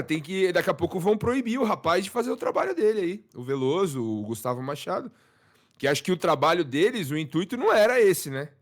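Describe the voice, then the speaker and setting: A man co-hosts a live football talk stream with a lively voice that swings up and down a lot. He talks in casual slang with plenty of fillers, and his voice sits a little above the usual pitch. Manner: slangy, animated, with many fillers. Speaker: co-host commentator.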